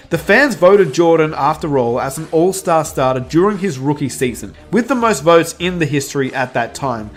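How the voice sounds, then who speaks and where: Lively woman narrating for a channel. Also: low voice. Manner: lively storytelling, rising emphasis on questions. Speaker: YouTube narrator. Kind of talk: scripted narration. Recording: faint music underneath.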